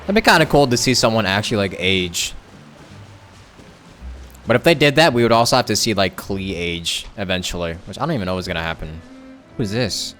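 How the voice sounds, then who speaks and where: A man's voice: fairly low pitch, lively intonation, a little fast, long pauses, a bit bright, faint music behind. A young man commenting casually on a game as he plays, rambling with lots of fillers. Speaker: streamer.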